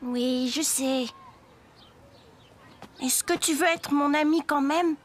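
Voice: high voice, steady tone, takes it slowly. An actor voicing a bossy, demanding little boy in a children's cartoon, with a childlike voice. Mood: sheepish. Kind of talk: French children's cartoon dubbing. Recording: music behind the voice.

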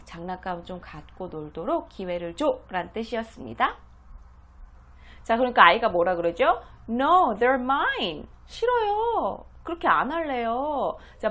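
A woman giving a home English lesson, explaining each phrase and repeating the English lines slowly. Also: mid-range voice, fairly bright tone. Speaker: English teacher for parents. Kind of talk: slow, deliberate language lesson.

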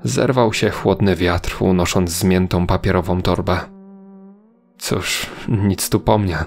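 Male horror narrator, low register, heavy vocal fry, scripted first-person storytelling. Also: fairly even intonation, takes it slowly.

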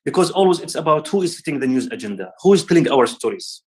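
A man in his thirties from Palestine, speaking earnestly over a video call at an online ceremony, often halting and restarting words. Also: on the high side, sing-song. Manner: gestures with hands while talking. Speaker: guest speaker.

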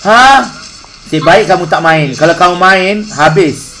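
A man's voice: high-pitched, lively intonation, a little slow, pushed and bright, rough recording. A man with a Malaysian Malay accent hosting a gaming stream, teasing his teammates in casual banter. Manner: teasing, playful, calls others "Cok".

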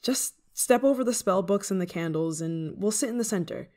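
A young witch new to her craft, played by a woman speaks straight to the listener in an ASMR roleplay. She is eager, affectionate and a bit scatterbrained, with a giggly, coaxing manner. Her voice sits at a middle pitch. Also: lively intonation, normal speed, a little mellow, natural voice. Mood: playful, welcoming. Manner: giggly, coaxing, hesitant asides. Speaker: roleplay voice performer.

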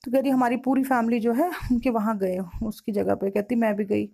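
Mellow woman retelling a client's story. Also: fairly high pitch, little pitch movement, fairly quick, creaky, breathy edge. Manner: long reported-speech retelling, repetitive and emotional. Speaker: spiritual counselor.

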